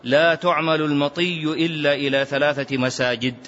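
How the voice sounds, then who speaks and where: A man's voice: fairly high pitch, level tone, moderate pace, a bit bright, slight background noise. Emphatic man teaching a mosque lesson. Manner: emphatic, chanting some phrases, rhetorical questions. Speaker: religious teacher. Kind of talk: mosque lesson explaining hadith. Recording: muffled lo-fi recording.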